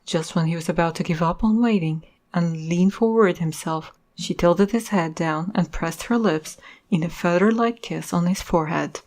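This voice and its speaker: A woman's voice: lowish voice, normal speed, darkish tone. A woman hosting and narrating a podcast, reading in a scripted style. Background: music.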